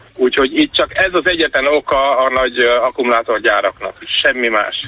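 Over noticeable background noise, a man talks at a moderate pace with very even loudness. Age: 50s. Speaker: caller. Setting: phone call.

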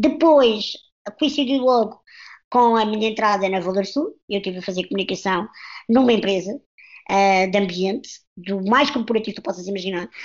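Ordinary pitch variation comes through as the speaker keeps a moderate pace. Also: woman, medium pitch for a woman. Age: 30s. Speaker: motivational speaker and author. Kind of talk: casual chat. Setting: video call. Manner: animated.

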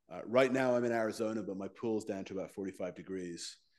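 A man's a plain, everyday voice, fairly low in pitch, at a moderate pace with ordinary pitch variation. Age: 40s. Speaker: men's mindset coach. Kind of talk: casual chat.

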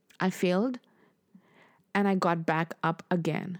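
A woman with a non-native accent, fairly low in pitch, at a fairly slow pace with fairly even intonation, in a dry, close sound with no echo. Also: very clean recording, silent background. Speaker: relationship coach and podcast host. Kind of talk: motivational monologue. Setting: partly a replayed Facebook Live video. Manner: warm, gentle.

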